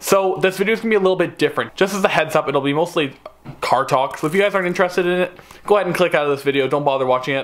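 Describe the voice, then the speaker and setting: Noticeable background noise sits behind a man with a high voice. He talks at a very fast pace with ordinary pitch variation. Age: young. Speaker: YouTuber. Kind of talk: vlog. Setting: in a car. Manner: loud.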